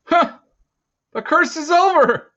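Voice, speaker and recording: A man's voice: very high-pitched, animated, slow, sharp tone, lo-fi sound, pitched above the performer's own voice, full character voice. A man voicing a big, fierce, superstitious tribal leader in a storybook, with a declamatory delivery. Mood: triumphant shouting. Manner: declamatory, exclaiming.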